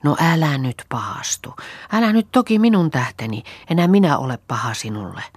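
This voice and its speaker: A woman's voice: low voice, big pitch swings, breathy edge, no echo, heavily acted. A woman reading an audiobook, voicing an earnest woman visitor who coaxes and soothes in a raised, pleading voice. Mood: coaxing.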